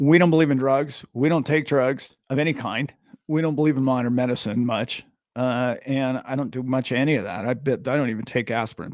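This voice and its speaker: An unremarkable speaking voice from a man, medium in pitch, with fairly even intonation at a fairly quick pace, in a very clean recording with a silent background. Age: 60s. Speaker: live stream host. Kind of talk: casual chat. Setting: live stream.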